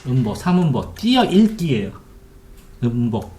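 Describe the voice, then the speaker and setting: A man's voice: mid-range voice, sing-song, a little slow, dark tone, a little hiss or hum. A middle-aged man tutoring Korean literature online, explaining terms and quizzing his students with repeated questions. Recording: echoey room, keyboard typing behind.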